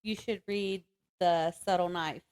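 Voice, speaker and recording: A middle-aged woman co-hosting a podcast in casual chat, encouraging and gently teasing. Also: fairly low pitch, fairly even intonation, slow, clean tone. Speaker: podcast co-host.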